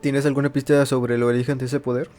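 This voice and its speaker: A man's voice: medium pitch, level tone, racing, darkish tone, faint music behind. A man hosting a let's play, giving casual commentary on a game. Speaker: gaming host.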